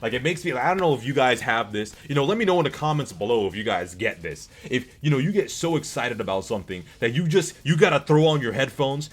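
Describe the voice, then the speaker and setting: A man's voice: mid-range voice, fairly bright tone. A man talking casually as a streamer with his chat about games, in a slangy, rambling, hyped-up way with casual swearing. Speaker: streamer hosting a discussion with chat. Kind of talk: casual livestream commentary on video games.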